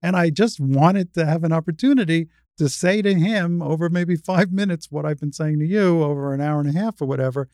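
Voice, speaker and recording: Older American trans woman, low masculine-range voice. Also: a little fast, hardly any pauses, a little mellow, no room sound, clean studio sound. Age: 60s. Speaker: interview guest, trans rights advocate. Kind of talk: conversational interview, anecdotes and opinion.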